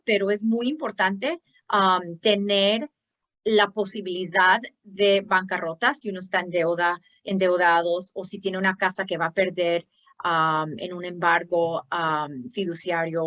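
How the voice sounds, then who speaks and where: A woman from Chicago, a bankruptcy lawyer, answering interview questions in a chatty, hesitant way with frequent pauses and restarts. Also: medium pitch, fairly bright tone. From Chicago, United States.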